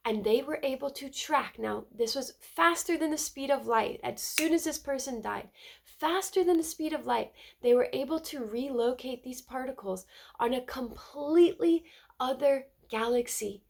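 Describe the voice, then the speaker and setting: A woman's voice: high-pitched, gravelly. Earnest woman with a stuffy cold. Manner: earnest, emphatic, repeats words and asks "right?". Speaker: spiritual tarot reader. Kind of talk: casual spiritual card reading to camera.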